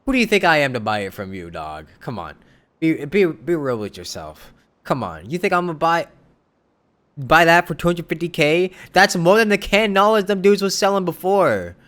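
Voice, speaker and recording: A man's voice: on the high side, very animated, normal speed, a bit bright. Sarcastic man quipping at a game. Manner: sarcastic slangy quips at the screen. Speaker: streamer. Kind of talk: reacting over a game on stream.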